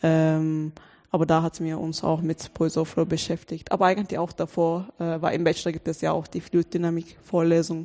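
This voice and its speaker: With a slight non-native accent, the speaker uses monotone, flat intonation and a dark, mellow tone over a quiet background. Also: woman, fairly low pitch for a woman, moderate pace. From Turkey. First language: Turkish (speaking German). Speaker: university student. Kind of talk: casual interview.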